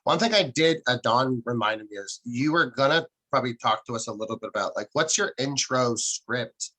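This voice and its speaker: Bright punchy guy voice, medium pitch, casual interviewer chatting and recapping stuff. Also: moderate pace, low-quality recording. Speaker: interviewer, host.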